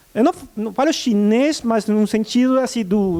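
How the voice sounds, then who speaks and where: This man has a non-native accent and a high pitch. His pitch variation is ordinary. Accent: foreign accent in Portuguese. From outside Brazil. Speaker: solar energy researcher. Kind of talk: conference talk. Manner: halting, many fillers.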